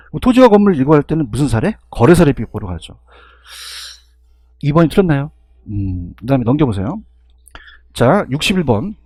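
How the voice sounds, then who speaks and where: A man with a husky voice giving an exam-review lecture, constantly firing rhetorical questions and checking in with his students. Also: on the high side, a little mellow, no echo.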